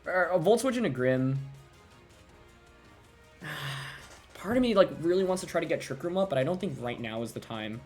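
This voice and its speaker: A young man narrates his own competitive match, thinking aloud and questioning each move. His voice jumps around with lively pitch. Quiet background music sits under his desk-mic commentary. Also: moderate pace, pauses often. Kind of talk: live gameplay commentary.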